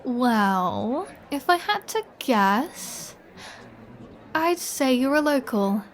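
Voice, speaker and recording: A woman's voice: high voice, expressive, a little hiss or hum, exaggerated voice. A woman playing a flirty, playful vampire who teases in a chatty, self-assured way, as in an intimate roleplay audio. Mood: teasing flirty. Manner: teasing, chatty, unhurried.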